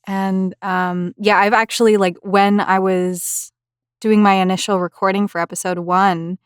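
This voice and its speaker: A woman's voice: mid-range voice, flat delivery, measured pace, clear, resonant tone, no room sound, clean studio sound. A woman conducting a casual interview as the interviewer, asking questions and chatting about the work. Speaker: interviewer, voice actor.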